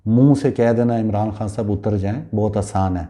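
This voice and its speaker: A man's voice: fairly low pitch, warm tone. A man from Pakistan, giving impassioned political commentary as a show's host. He lectures rhetorically and fires pointed questions straight at the person he addresses.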